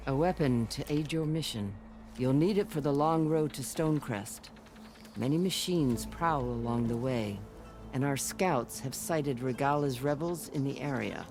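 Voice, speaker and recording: An actor playing a formal tribal warrior in a video game, giving measured, instructive briefings. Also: male voice, mid-range voice, a little mellow, faint music behind, lightly acted. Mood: solemn, instructive. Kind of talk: dramatic video game acting.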